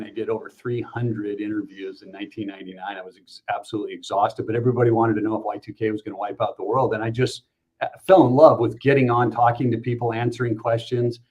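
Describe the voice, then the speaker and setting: A man's voice: medium pitch, fairly even intonation, quick pace, a little mellow, lo-fi sound. A middle-aged man, a company representative guesting on a livestream, explaining investments fluently and confidently. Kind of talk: casual interview.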